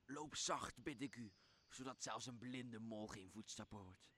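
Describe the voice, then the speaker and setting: A scheming monster slave from a radio play, acted by a man. The voice is bright and forceful, fawning like a lackey and quick to bark with irritation. The pitch sits in a middle male range. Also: slightly rough. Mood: fawning, urgent. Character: servile, scheming island monster slave, impatient and murderous. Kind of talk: radio play acting of Shakespeare.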